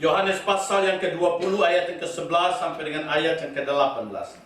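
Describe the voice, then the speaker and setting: A male pastor preaching a sermon and reading scripture, deliberate and given to repeating key phrases. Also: a little high, fairly bright tone, slight background noise. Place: church hall. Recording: very echoey hall, voice from far off.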